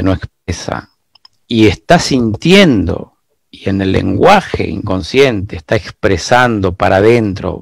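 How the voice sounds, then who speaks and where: Gravelly low-voiced man, measured explainer. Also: dry recording. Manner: measured, lecturing, with frequent rhetorical asides. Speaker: guest expert on biological decoding. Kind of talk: explanatory interview answers.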